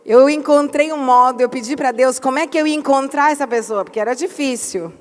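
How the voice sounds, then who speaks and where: A woman pastor giving an animated church talk, telling stories with emphatic outbursts. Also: sits high, brisk, long reverb tail.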